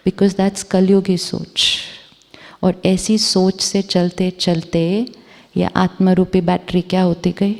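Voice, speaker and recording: A woman spiritual teacher giving a measured talk to a live audience, repeating rhetorical questions to the room. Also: on the low side, little pitch movement, gravelly, a little mellow. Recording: long hall reverb.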